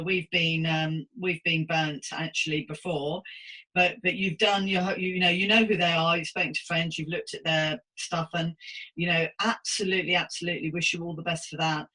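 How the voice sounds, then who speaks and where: Female podcast host, British, middle-aged. Bright, fairly low voice, chatty and rambling, self-deprecating. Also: rough recording. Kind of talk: casual conversational interview.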